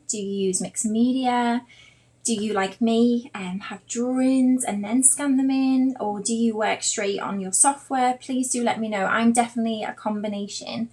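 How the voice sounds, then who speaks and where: Woman, Liverpool accent, fairly high voice, chatty and rambling, informal live art tutorial, talks directly to viewers. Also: darkish tone. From Liverpool, England. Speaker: artist and online drawing teacher.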